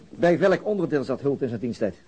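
An actor playing a direct, persistent police detective questioning others in a radio drama. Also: male voice, medium pitch, big pitch swings, moderate pace, a little mellow, husky. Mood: businesslike. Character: probing male police detective, businesslike and persistent.

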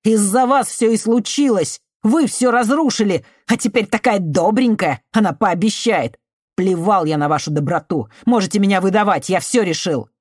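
A woman reading an audiobook voices a desperate young man who answers with bitter sarcasm and often breaks into shouting. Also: low-pitched, expressive, moderate pace, no echo, clean studio sound.

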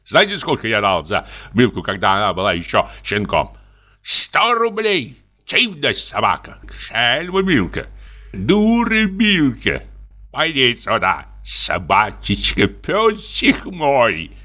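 A man's voice: mid-range voice, wildly swooping pitch, takes it slowly, pushed and bright, heavily acted. A man voicing a boastful, pushy, middle-aged army lieutenant who is drinking, exclamatory and wheedling. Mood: boasting. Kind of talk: audiobook character reading.

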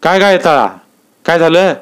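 A man's voice: a little high, moderate pace, smooth, voice pushed up, close to an everyday voice. A man voicing worried village men. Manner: worried, rustic village speech. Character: anxious rural village men talking.

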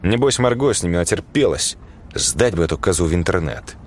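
A man's voice: sits low, big pitch swings, brisk, slight background noise. A man voicing a blunt, foul-mouthed middle-aged male teacher who lectures and swears. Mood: gruff. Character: gruff crude male schoolteacher, middle-aged.

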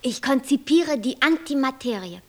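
An actress playing a capricious, self-absorbed white angel who creates worlds, airy, flippant and lecturing, in a German radio play. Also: female voice, high-pitched, lively intonation, moderate pace. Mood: airy, affectionate reproach.

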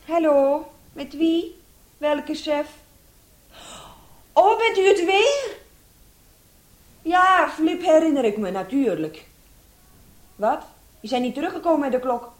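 An actress playing an excitable, indignant woman who has been robbed, in a Dutch radio play. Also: high-pitched, takes it slowly, long pauses. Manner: exclamatory, agitated. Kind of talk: Dutch radio drama acting.

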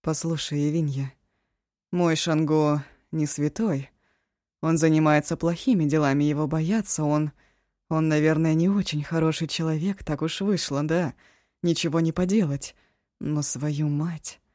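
A woman voicing a proud, volatile young woman who swings between harsh words and shrill, sobbing outbursts. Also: steady tone, measured pace, dark tone, no echo, clean studio sound. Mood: heartbroken.

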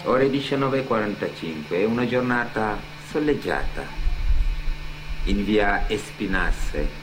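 Deep-voiced Senegalese man over a loud hum. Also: lively intonation, measured pace. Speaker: actor and cultural mediator. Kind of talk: first-person testimony told on stage in radio theatre. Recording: loud mains hum and noise.

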